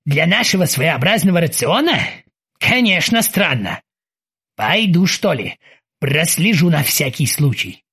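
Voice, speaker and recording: A man voicing a ship captain with a husky voice and dry, sarcastic commands. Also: fairly high pitch, big pitch swings, a little slow, pushed and bright, full character voice. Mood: ironic.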